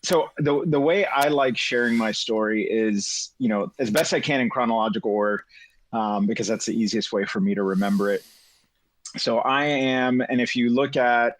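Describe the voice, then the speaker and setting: A man's voice: mid-range voice, no room sound, poor audio. A middle-aged man, a guest telling his life story in a casual chat, rambling with many fillers. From United States.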